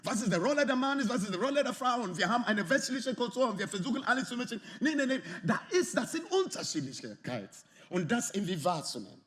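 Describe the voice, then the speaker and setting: A man preaching a sermon in lively, slightly non-native German with English phrases mixed in. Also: very high voice, fast, few pauses. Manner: animated, lively, often acts out quoted arguments. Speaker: pastor.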